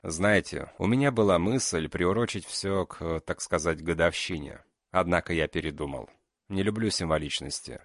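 A man voicing a calm, mocking male killer known as the beast. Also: low voice, dry recording, studio quality. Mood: cold. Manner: cold, unhurried, mocking.

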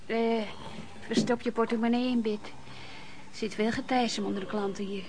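An actress in a Dutch radio play voicing a weary lodging-house woman with a halting, matter-of-fact way of talking. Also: on the high side, steady tone, darkish tone, natural voice. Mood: hesitant. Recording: noisy old radio play recording.

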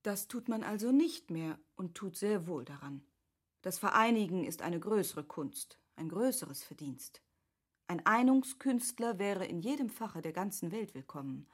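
Gracious period lady, husky voice. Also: lowish voice, lively intonation, measured pace. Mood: thoughtful, engaged. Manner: polite, formal, thoughtful. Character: gracious, articulate, curious lady of Goethe's era. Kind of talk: classic German radio play acting.

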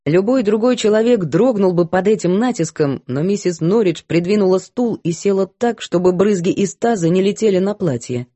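A woman reading a novel aloud as audiobook narrator, even and clear. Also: medium pitch, normal speed, hardly any pauses, dry recording. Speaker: audiobook reader. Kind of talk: scripted story narration.

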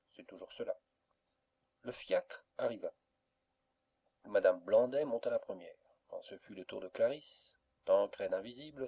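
Low-voiced male audiobook narrator. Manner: measured, steady reading. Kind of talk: scripted literary narration.

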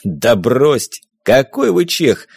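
Read by a man, a jovial middle-aged smuggler captain who teases and confides with easy confidence. His voice rises and falls in lively swings, and the reading is dry and close, with no room sound. It is an audiobook character in a spaceship tale. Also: mid-range voice, slow pace, vocal fry, slightly rough, no room sound, full character voice. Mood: teasing. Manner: teasing, confident.

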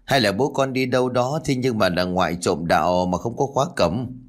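A man's voice: fairly low pitch, normal speed, lightly acted. A man voicing an anxious adult son in a village family, urgent and flustered.

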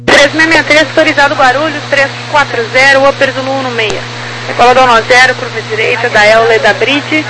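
A high-pitched female voice comes over a walkie-talkie style radio with clear background noise. She is an air traffic ground controller, reading out procedural instructions in a terse, businesslike way. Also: fairly even intonation, brisk. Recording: noisy radio transmission, vehicle-like background noise.

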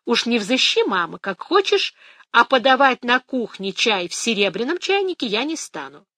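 A woman's voice: a little high, very animated, normal speed, sharp tone, no room sound, clean studio sound, pitched above the performer's own voice, heavily acted. Woman reading as a cheeky, headstrong young woman. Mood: defiant. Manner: cheeky, defiant.

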